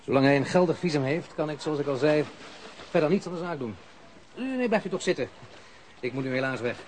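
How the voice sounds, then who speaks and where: An actor playing a courteous, evasive police official in a radio play, speaking in a measured, officious way. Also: male voice, a little high, expressive, slight background noise, lightly acted. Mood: guarded, officious. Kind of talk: Dutch radio play acting.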